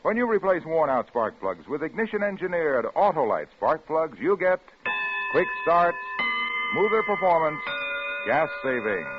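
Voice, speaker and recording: A man working as a commercial announcer on old radio, giving a hearty, emphatic scripted sales pitch. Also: very animated, normal speed, background noise. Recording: tinny band-limited old radio recording.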